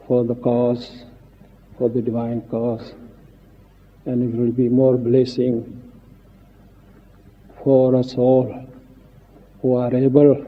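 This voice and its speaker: A man giving a solemn devotional speech as a spiritual teacher, in halting short phrases with long pauses. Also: mid-range voice. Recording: muffled 1950s archive recording, reverberant hall, phone-like.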